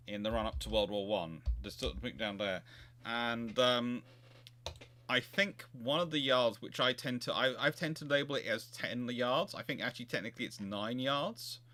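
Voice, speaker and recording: A man with a mid-pitched voice hosts a casual history chat. He rambles, digresses and breaks off his own sentences to restart them from another angle. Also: sharp tone. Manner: rambling, digressive, self-interrupting. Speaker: host, naval historian.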